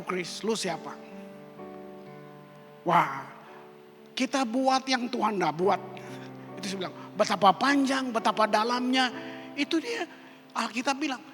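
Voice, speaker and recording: A man's voice: high voice, fairly bright tone. A male pastor preaching a sermon, telling personal stories with acted-out quotes in casual slang. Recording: echoey hall with music behind.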